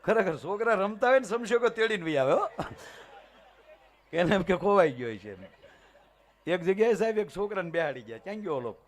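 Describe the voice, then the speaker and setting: A man's voice: sits high, brisk, long pauses. A man telling comic stories at a live folk show, acting out each character. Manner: animated, acts out every character in the story. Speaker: folk comedian storyteller. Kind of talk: live folk comedy storytelling.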